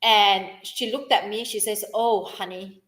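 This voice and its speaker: A woman's voice: medium pitch, steady tone, unhurried, a bit bright. A middle-aged woman telling a personal story in a chatty way, repeating herself and acting out what others said, as a business coach drawing a lesson from it. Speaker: business coach and podcast host. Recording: echoey room.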